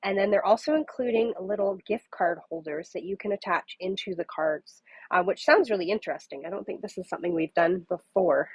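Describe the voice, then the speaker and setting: A woman demonstrating papercrafting on a livestream from her home craft table greets viewers by name and chats casually, sounding nasal because of a cold. She speaks briskly in a medium-pitched, slightly rough voice, on a dry, dull recording.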